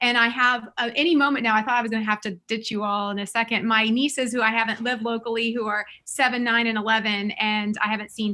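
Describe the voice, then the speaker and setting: A bright, sharp voice with a Southern US accent, fairly quick and monotone in its flat intonation, on a very clean recording against a silent background. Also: woman. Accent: Southern American. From US South. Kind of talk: casual chat.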